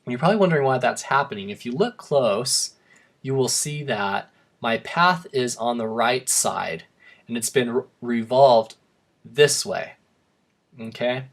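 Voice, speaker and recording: Casual young man teaching software, voice tiring. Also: mid-range voice, lively intonation, unhurried. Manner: casual, rambling, self-deprecating asides. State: voice going hoarse from repeated takes. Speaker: software tutorial host. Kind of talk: screen-recorded tutorial narration.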